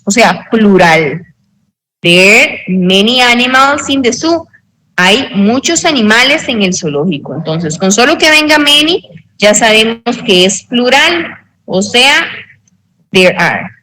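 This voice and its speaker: Woman English teacher, bright voice, unhurried and patient, keeps checking in with the class. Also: fairly high pitch, poor audio. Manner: slow, patient explaining with frequent check-ins. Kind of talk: online grammar tutoring in Spanish.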